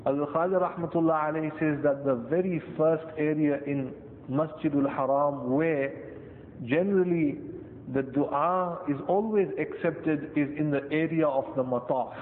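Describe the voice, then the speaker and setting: A Muslim preacher with a South Asian accent delivers a sermon, speaking deliberately in short phrases broken by pauses and repetition. The recording sounds tinny and band-limited, with an echoey hall and rumbling noise underneath.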